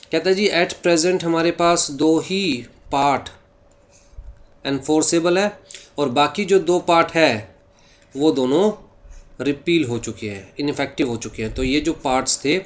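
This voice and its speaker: A man teaching a law class in Hindi mixed with English. He speaks with an Indian English accent, reads English lines slowly, then explains them, often asking a question and answering it himself. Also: on the high side. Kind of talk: classroom lecture.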